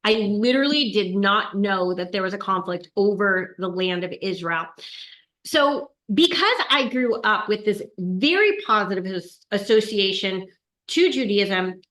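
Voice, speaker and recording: A woman in her fifties hosting an interview, speaking earnestly and emphatically in quick bursts. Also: medium pitch, lively intonation, fairly bright tone. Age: 50s. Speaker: host, yoga teacher. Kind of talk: conversational interview. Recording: roomy echo.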